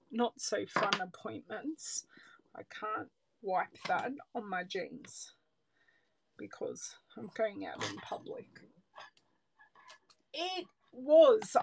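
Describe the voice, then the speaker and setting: On a rough recording with a little hiss or hum, an Australian woman of medium pitch chats through a card-making demo on a casual crafting livestream. She thinks aloud and occasionally murmurs as an overhead camera watches her hands at an indoor craft table.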